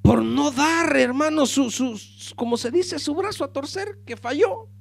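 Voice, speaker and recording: Impassioned preacher with a lively, gravelly voice. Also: male voice, extremely high pitch, unhurried. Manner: impassioned preaching, swinging from loud to hushed; addresses congregation as brothers. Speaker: pastor. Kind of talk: sermon.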